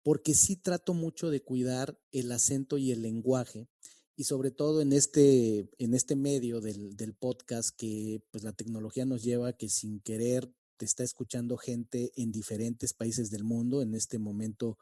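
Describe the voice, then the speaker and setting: A man from Mexico City with a neutral Mexican accent, hosting a podcast interview and talking in a reflective, halting way with many restarts. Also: mid-range voice, steady tone, dark tone, no echo, clean studio sound. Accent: neutral Mexican Spanish. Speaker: podcast host.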